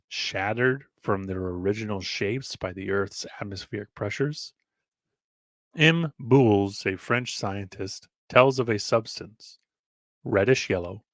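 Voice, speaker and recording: A man reading an old article aloud as dramatic narration, measured and deliberate, with emphatic pauses and the odd stumble. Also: fairly low pitch, a bit bright, dry recording. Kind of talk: dramatic read-aloud narration of archival text.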